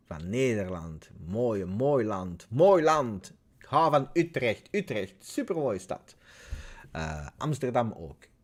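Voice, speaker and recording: A man with an Italian accent, French his first language, hosts a live fan stream. His voice sits at an ordinary middle pitch, and he chats loosely and greets viewers one by one by name. His volume swings from loud bursts of cheering down to quiet mumbles. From Italy. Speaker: football fan livestream host. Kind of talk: live stream chat reading viewer comments.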